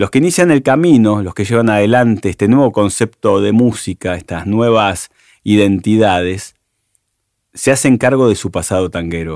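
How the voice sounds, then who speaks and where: Speaking at a moderate pace with lively intonation, a man with a fairly low pitch uses a normal speaking voice on a very clean recording with a silent background. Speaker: history teacher and podcast host. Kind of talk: scripted narration.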